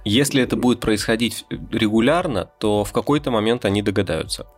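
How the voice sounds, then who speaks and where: A man's voice: on the low side, animated, fairly quick, husky, faint music behind. A man co-hosting a football podcast, ironic and teasing, throwing out rhetorical questions. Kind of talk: casual chat.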